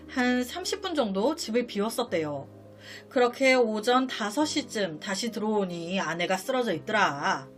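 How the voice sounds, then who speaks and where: Indignant woman storyteller, lively pitch. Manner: indignant, talks straight to viewers. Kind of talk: dramatic true-story narration.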